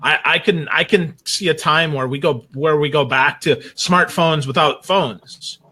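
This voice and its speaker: A man with a fairly high-pitched, very bright and forceful voice speaks as a guest on a casual talk show. He is conversational and opinionated, landing his points with emphasis. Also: a little slow, breathy edge. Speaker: guest commentator on social media marketing.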